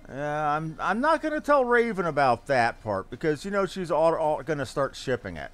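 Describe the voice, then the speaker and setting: A man's voice: on the high side, big pitch swings, moderate pace, fairly bright tone, soft background music. A man giving casual commentary as he streams a game, sometimes muttering to himself.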